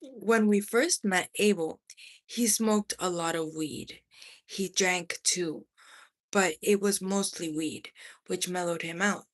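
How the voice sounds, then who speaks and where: A woman reading a memoir aloud as expressive narration, in deliberate phrases with dramatic pauses. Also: lowish voice. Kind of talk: expressive audiobook-style narration.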